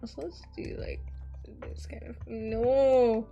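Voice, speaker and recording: A woman's voice: on the high side, steady tone, slow, creaky, dark tone, highs cut off, soft background music. A woman whose first language is Hungarian, rambling casually as she draws, trailing off mid-thought and swearing now and then. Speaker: artist streamer. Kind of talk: casual commentary while drawing.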